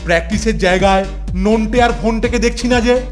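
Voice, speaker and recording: A man's voice: sits high, fairly quick, natural voice. A man voicing a fussy, effusive middle-aged schoolmaster who repeats himself in a cartoon. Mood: puzzled, stern. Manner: fawning, repeats his words excitedly. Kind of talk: cartoon voice acting. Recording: music behind.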